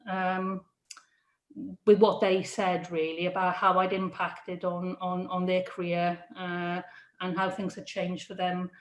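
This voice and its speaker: A middle-aged woman, a careers adviser, talking in a halting, laughing interview manner with many restarts. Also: lowish voice. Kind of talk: casual interview chat. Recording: echoey room.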